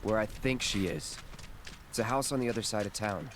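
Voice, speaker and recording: An actor playing a cool, aloof young fighter in a video game, with a terse, deadpan delivery. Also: male voice, fairly low pitch, a little fast, slight background noise. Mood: dry. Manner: deadpan, clipped.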